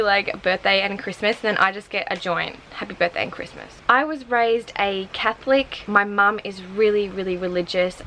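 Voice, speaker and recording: A woman in her twenties talks chattily to camera on a porch, her voice sitting in a middle range for a woman. German was her first language, and her talk is loose and full of "like". Faint outdoor sounds hang quietly behind her. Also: mid-range voice, a little hiss or hum, low-quality recording. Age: 20s. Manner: chatty and upbeat, with lots of "like" fillers. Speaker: vlogger. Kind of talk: casual chat to camera. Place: porch in front of wooden shutters, outdoors. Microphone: camera in front at chest height.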